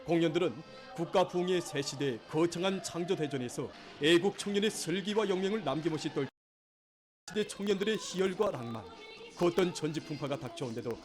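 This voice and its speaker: A man's voice: a little high, a little fast, music in the background. A man with a North Korean accent narrating formal scripted news in a solemn, fervent, declamatory state-broadcast style. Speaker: news announcer.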